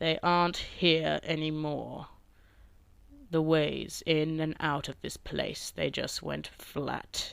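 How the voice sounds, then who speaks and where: On a very clean recording with a silent background, a woman uses a put-on character voice, very deep and low, at a very slow pace. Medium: read story. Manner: dry, superior.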